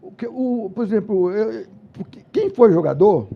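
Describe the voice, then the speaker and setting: Gravelly high-voiced older man. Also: dull audio, slight background noise. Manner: halting, repeats words and restarts phrases, lively emphatic stretches. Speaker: former football coach, studio guest. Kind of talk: studio interview.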